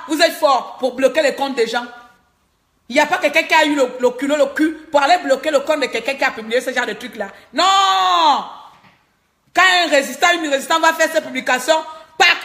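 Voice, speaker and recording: A woman's voice: sits high, brisk, fairly bright tone. A woman from Gabon with a Cameroonian French accent, speaking as an online commentator in an indignant livestreamed rant, often repeating a word while she hunts for the next. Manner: indignant, repeats words while searching for them. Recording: roomy echo.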